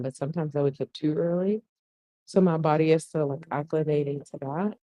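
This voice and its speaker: A woman in her forties, speaking, hosting a casual livestream. She talks softly to keep her voice down, reads viewer comments aloud and laughs often. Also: low-pitched, no room sound, low-quality recording. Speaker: livestream host. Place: shared co-working space. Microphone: earphones mic.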